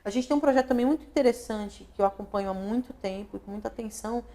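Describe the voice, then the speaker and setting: A woman's voice: a little high, rapid-fire, warm tone. A Brazilian woman speaking as an interview guest, thoughtful and reflective, often adding "né?" and restarting her phrases. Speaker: guest, actress, director and lighting designer. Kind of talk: casual interview talk. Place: local talk show broadcast on social media.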